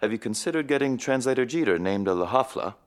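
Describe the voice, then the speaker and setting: An actor playing a formal, kindly alien elder and diplomat in a sci-fi audio drama, speaking in a measured way. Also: male voice, medium pitch, expressive, lightly acted. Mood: gently approving. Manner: measured, formal, uncontracted speech.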